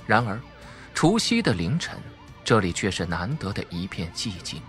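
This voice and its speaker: A man narrates a suspense novel in a fairly low voice. His intonation is highly animated, shaped for dramatic scripted storytelling. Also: moderate pace, faint music behind. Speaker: audiobook narrator.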